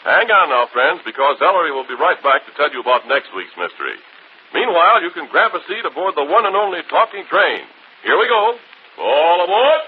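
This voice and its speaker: A man's voice: fairly high pitch, very animated, brisk. A man announcing for 1940s radio, hearty and persuasive. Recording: tinny old radio broadcast, faint hiss.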